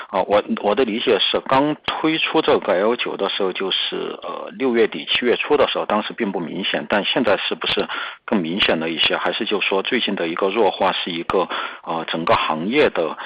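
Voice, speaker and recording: A man, a native Chinese speaker, putting questions as an analyst on an earnings call in a hesitant, halting manner. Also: low-pitched, gravelly, slightly rough. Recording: muffled, echoey conference call line.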